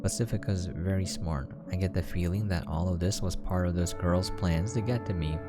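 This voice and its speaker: A man's voice: deep voice, moderate pace, over loud music. A man giving casual, musing gameplay commentary and reading visual novel text aloud. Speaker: game preview commentator.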